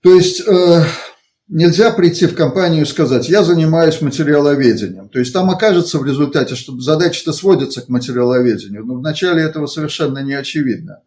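A man speaking conversationally about his work as a consultant, reformulating his thoughts as he goes in a halting, digressive way. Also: medium pitch, darkish tone. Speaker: engineering consultant. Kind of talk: conversational account of work experience.

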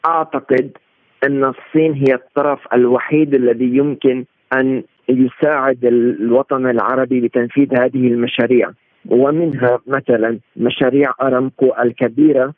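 The sound is a narrow, tinny phone-like line with a dry, echo-free feel. On it a man gives analytical commentary in formal Standard Arabic, explaining point by point and now and then restarting a phrase. His pitch sits in a middle range. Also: flat delivery, brisk. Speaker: political and economic analyst, interview guest. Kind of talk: live interview commentary. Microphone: remote phone-like connection.

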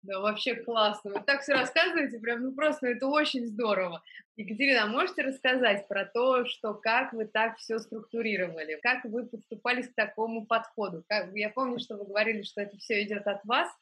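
A woman's voice: fairly high pitch, fairly quick, pushed and bright, husky. A woman interviewer asking questions and praising her guest's answers with enthusiasm. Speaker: interviewer, host.

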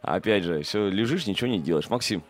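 A man casually retelling a fairy tale, animated and laughing, with lots of fillers and restarts. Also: fairly low pitch, fast, soft background music. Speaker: podcast co-host who staged a children's fairy-tale play. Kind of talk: casual storytelling conversation.

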